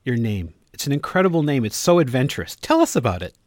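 A man's voice: mid-range voice, very animated, quick pace, a little mellow, no echo, studio quality. A man hosting a podcast, asking friendly questions. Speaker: podcast host. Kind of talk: interview hosting.

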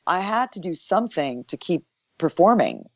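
A woman with a low, deep morning voice answers interview questions in a thoughtful, explanatory way. The sound is dry and a little dull, with no room around it. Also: big pitch swings, moderate pace, no room sound. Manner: thoughtful, explanatory, with soft laughs. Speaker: voice actor guest.

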